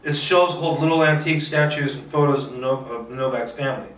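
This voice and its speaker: Man, bright forceful voice, informal script reader with occasional stumbles, echoey room, slightly off-mic. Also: mid-range voice, level tone, fast. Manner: stumbles and repeats words while reading. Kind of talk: informal screenplay table read, narrating action. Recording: roomy echo, distant mic.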